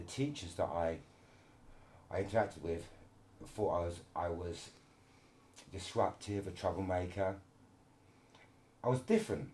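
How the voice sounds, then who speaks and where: A middle-aged man from London hosting a casual podcast, talking in an animated, restless way with many restarts and repeated words. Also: sits low, a little hiss or hum. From London, England. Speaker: podcast host.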